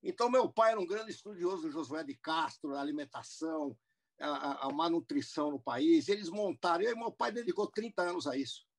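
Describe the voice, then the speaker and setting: A man's voice: on the high side, brisk. An older man in his seventies, born in the United States, recounts his life at length on a video call. His slightly raised voice wanders through asides and restarts as he talks from a room at home. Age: 70s. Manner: rambling, with many restarts and asides. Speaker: guest businessman. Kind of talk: interview, telling his life story.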